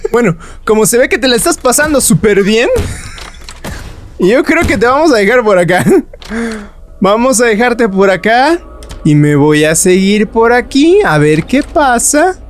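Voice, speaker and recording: A man's voice: very high voice, lively intonation, unhurried, faint music behind. A man commenting on a horror game he is playing, joking and breaking into nervous laughs and shrieks. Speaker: gaming YouTuber.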